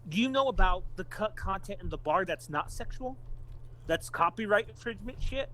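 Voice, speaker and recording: A man's voice: sits high, lively intonation, moderate pace, bright, forceful tone. A man co-hosting a gaming podcast, chatting informally and swearing casually as he goes. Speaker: podcast co-host.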